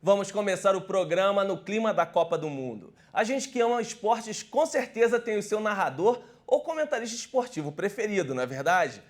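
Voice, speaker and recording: A man presenting a sports news bulletin in an upbeat, lively way. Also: high-pitched, fairly quick, hardly any pauses.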